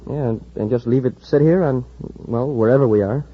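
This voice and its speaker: Man voicing an eager young cadet sidekick, husky, earnest, radio play, muffled vintage sound. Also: mid-range voice, a little fast, lightly acted. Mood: worried. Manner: earnest, boyish. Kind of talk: 1950s radio drama acting. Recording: dull old radio broadcast recording.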